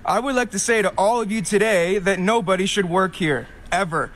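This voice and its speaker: A man's voice: high-pitched, brisk, a bit bright. A young man reading an angry, stumbling resignation announcement over a store intercom. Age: young adult. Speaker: store employee quitting.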